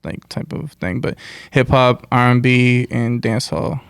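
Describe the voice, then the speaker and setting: An American man chats as an interview guest in a loose, slangy way. His voice has a gravelly edge but stays smooth, and his pitch moves little. The sound is close and dry. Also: little pitch movement, a little slow, no room sound. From United States. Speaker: interview guest, musician and producer. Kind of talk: casual chat, slangy.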